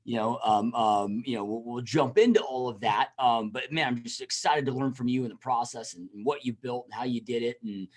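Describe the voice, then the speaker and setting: A man's voice: mid-range voice, brisk, hardly any pauses. A man hosting a podcast, talking casually in an informal, slangy, buddy-like way. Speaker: podcast host. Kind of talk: casual podcast interview chat.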